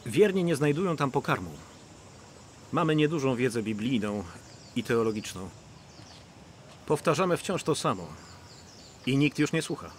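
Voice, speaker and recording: A man voicing a worried middle-aged pastor in a dubbed drama, anxious and troubled. His voice sits at an ordinary pitch, with faint outdoor noise behind it. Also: animated, moderate pace, long pauses, lightly acted. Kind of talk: Polish dubbing of a film.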